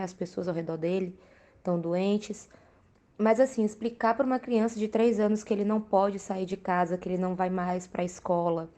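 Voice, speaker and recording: Casting: young Brazilian woman, soft-toned timbre, conversational and explanatory, everyday testimony. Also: medium pitch. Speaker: interviewed mother. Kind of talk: casual spoken testimony.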